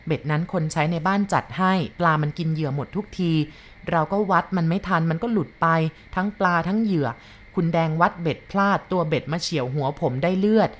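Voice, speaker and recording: A woman narrating a first-person story from a boy's point of view in a calm, measured reading. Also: fairly low pitch.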